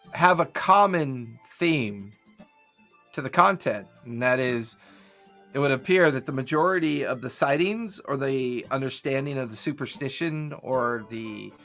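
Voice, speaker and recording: Male game master, casual meandering narration over a call, mid-range voice, soft background music. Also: medium pitch. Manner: loose, rambling narration with fillers.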